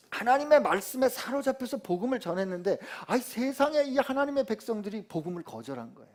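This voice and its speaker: A male pastor preaching a sermon in a lively, colloquial way, swinging between loud outbursts and hushed asides. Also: very high voice.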